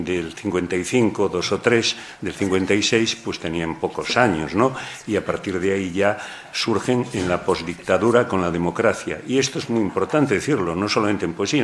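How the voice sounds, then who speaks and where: Galician guy on a poetry panel, real low voice, joking around, bit of faint hiss. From Galicia, Spain. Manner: wry, joking, digressive. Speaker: translator and anthologist. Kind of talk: panel talk at a poetry event. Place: university lecture hall.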